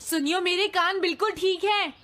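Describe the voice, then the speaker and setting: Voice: extremely high pitch, fairly even intonation, moderate pace, slight background noise. An actor voicing an anxious, hapless schoolboy with a childlike, whiny voice in a comedy cartoon. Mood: defensive, hurried. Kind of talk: dubbed cartoon acting. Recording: loud music behind the voice.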